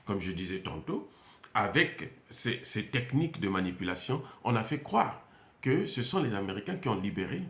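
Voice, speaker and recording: Heard in an echoey room, a male commentator with a Central African French accent talks at normal speed in a lowish, very animated voice. He's speaking off the cuff with emphasis, often repeating himself and pausing to hesitate.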